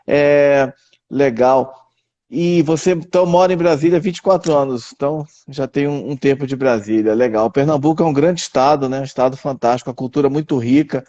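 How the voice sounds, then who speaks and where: A man's voice: medium pitch, fairly quick, dark tone, dull audio. A man hosting a live interview, affable and affirming, with many "né"s. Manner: affable, frequent "uhum" and "né" affirmations. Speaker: host, interviewer.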